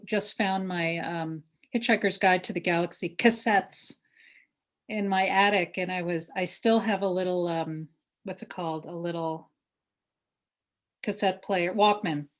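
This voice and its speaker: A woman's voice: fairly low pitch, fairly even intonation, normal speed. A woman co-hosting in a casual, chatty way, relaying comments and questions from an audience.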